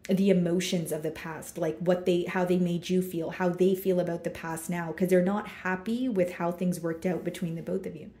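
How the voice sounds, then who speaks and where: A woman reads tarot in a relaxed, chatty way, filling pauses with likes and you knows as she turns each card. Her voice sits a little low and sounds mellow. The room gives it a noticeable echo. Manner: relaxed and chatty, many fillers, talking through cards as she draws them. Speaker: tarot reader. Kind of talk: casual tarot reading to camera.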